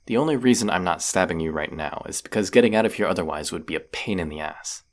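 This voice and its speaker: A man's voice: low-pitched, animated, fast. A man playing a stubborn, injured vampire hunter in an audio drama, grumbling sarcastic banter. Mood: teasing, defiant. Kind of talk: scripted roleplay audio drama.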